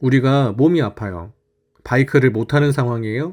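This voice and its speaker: This is an ordinary speaking voice, a man at a moderate pace with ordinary pitch variation. The background is quiet. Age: 30s. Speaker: delivery rider YouTuber. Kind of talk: motivational talk to camera. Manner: earnest, direct.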